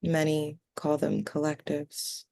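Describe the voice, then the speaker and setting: A woman in a seance trance voices a calm alien collective, low and gravelly. The phrases are short, formal and solemn, delivered very slowly with long breaks, as a channeling medium does. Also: exaggerated voice. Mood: solemn, detached. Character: collective of six calm extraterrestrial beings channeled through a medium.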